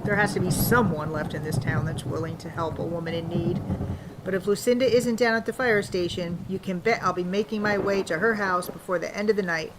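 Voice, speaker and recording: A woman's voice: fairly low pitch, brisk, noisy background, lightly acted. A woman playing an indignant, self-pitying older townswoman in an audio drama, with a haughty, affronted manner. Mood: huffy, grudging.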